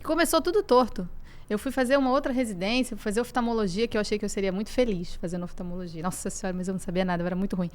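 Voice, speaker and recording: A woman's voice: medium pitch, very fast. A woman doctor, a guest on a podcast, answering candidly in a self-deprecating way with frequent tag questions. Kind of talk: candid conversational interview answers. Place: glass-walled studio with a live audience.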